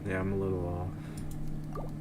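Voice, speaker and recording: A man's voice: low-pitched, monotone, moderate pace, background noise. A man chatting casually as he streams a game, rambling and often repeating himself. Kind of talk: casual livestream chat.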